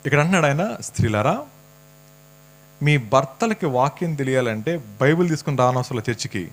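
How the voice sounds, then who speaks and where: A man's voice: mid-range voice, animated, brisk. Teasing man preaching a sermon. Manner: conversational, teasing, asks the congregation questions. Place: church hall.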